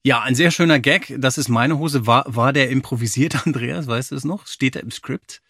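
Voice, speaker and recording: A man's voice: medium pitch, normal speed, a bit bright, slight background noise. A man hosting a podcast, asking questions in a casual conversational style. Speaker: podcast host. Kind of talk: casual interview chat.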